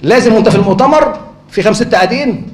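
A man's voice: high voice, rapid-fire, a little mellow. A man with an Egyptian accent giving a conference lecture, who keeps asking rhetorical questions and answering them himself. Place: lecture hall. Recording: echoey hall.

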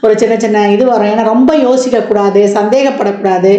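A woman astrologer explaining a yearly forecast in a steady, explanatory way, listing one point after another with many fillers. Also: on the high side, fairly quick, roomy sound, muffled recording. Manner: explanatory, lists items with frequent fillers.

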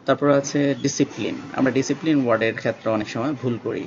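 A man whose first language is Bengali, teaching English spelling slowly and spelling words out letter by letter, with many pauses. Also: mid-range voice. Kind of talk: spelling lesson. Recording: dull lo-fi sound with faint background noise.

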